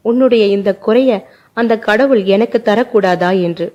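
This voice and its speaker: A woman's voice: on the high side, moderate pace, darkish tone, dull audio, lightly acted. A woman voicing a loving, grief-stricken young woman who speaks through tears in a told family story. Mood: grieving. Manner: tearful, despairing delivery. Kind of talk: storytelling narration.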